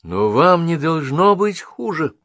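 Male reader playing a gentle grieving young woman, lifted pitch, earnest, slow pace, dry close mic. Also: animated, no echo. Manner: earnest, pleading. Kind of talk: audiobook character voice.

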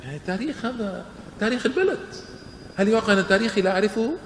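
A man's voice: high-pitched, rapid-fire. A man giving a public lecture and answering questions, emphatic, with rhetorical questions and repetition for stress. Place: lecture hall. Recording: lecture hall with echo and faint noise.

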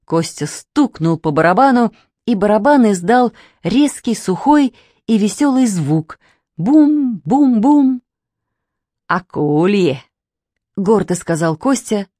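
A woman narrating a children's storybook in an expressive, slow, deliberate way. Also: mid-range voice, no echo, studio quality.

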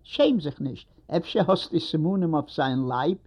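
Man voicing an old rabbi, probing questions, gently insistent, slightly raised pitch, muffled audio. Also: animated, a little slow. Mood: coaxing. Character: elderly rabbi, patient and probing. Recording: dull lo-fi recording.

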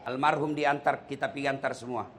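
A man's voice: mid-range voice, fairly quick, slight background noise. A male preacher giving a sermon full of stories and rhetorical questions to the congregation. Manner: animated storytelling, rhetorical questions to the audience.

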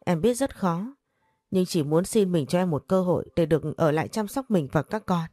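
Sobbing, begging middle-aged wife, as a narrator puts her on, dark mellow voice, audio story. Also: on the low side, lively intonation, normal speed, faint music behind. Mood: pleading. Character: pleading middle-aged wife, tearful and desperate.

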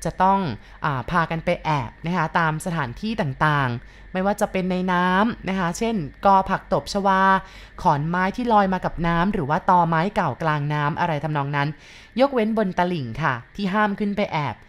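Woman telling a ghost story, low voice. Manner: polite, unhurried, with soft filler sounds.

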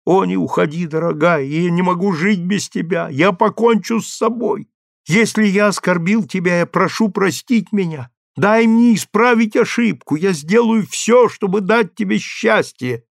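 A man's voice: a little slow, vocal fry, no room sound, clean studio sound. A man voicing a sobbing, begging husband. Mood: desperate. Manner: tearful, imploring, voice rising high. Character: desperate pleading husband, middle-aged man, weak. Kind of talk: audiobook character reading.

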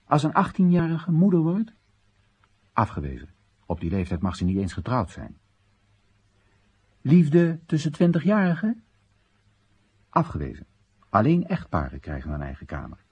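A man's voice: medium pitch, huge pitch swings, normal speed, long pauses, darkish tone, husky, lo-fi sound, heavily acted. An actor playing a wry Chinese everyman who narrates and questions his country's policies in a radio drama monologue, ironic, rhetorical and theatrical. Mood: ironic, indignant.

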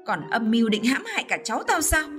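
A woman voicing an angry older mother-in-law who scolds harshly and fast. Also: fairly high pitch, big pitch swings, over music. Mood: furious. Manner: rapid shouted scolding.

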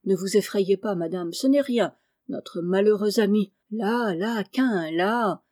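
A woman reading aloud, voicing a calm gentleman who speaks in a soothing, reassuring way. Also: medium pitch, takes it slowly, dry recording, clean studio sound.

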